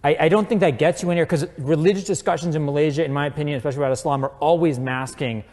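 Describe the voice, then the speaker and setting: A man speaking as a guest at a public talk, answering an audience question in a measured, thoughtful way with many fillers and restarts. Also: fairly high pitch, a little mellow. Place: lecture hall. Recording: long hall reverb.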